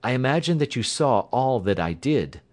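A man voicing a sharp-minded male detective, speaking in a crisp, explanatory manner. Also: medium pitch, very animated, moderate pace, voice pushed up, close to an everyday voice. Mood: intense. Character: Holmes, sharp reasoning male detective, adult.

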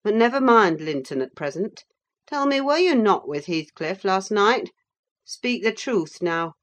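A woman's voice: medium pitch, lively intonation, a little slow, lightly acted. A woman voicing a harsh, scornful young master. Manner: curt, scornful.

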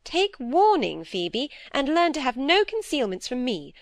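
A woman's voice: sits high, big pitch swings, unhurried, no room sound, studio quality, pitched above the performer's own voice, exaggerated voice. Woman doing a stern, commanding old spinster. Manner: commanding, severe, impatient. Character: stern, brisk elderly spinster elder sister.

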